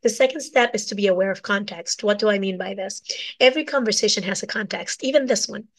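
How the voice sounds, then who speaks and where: A woman with a hoarse, raspy voice from a cold, teaching communication skills alone in her office and checking in often with "right?". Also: medium pitch, fast. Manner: asks "right?" after most points. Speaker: communication coach. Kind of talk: solo teaching talk.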